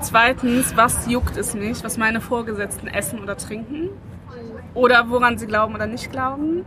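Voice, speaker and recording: Fairly even intonation at a moderate pace, with big swings in loudness and noticeable background noise. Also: woman, fairly high pitch for a woman. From western Germany, near Cologne. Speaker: student and fashion designer. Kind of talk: casual interview. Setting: outdoors at a café.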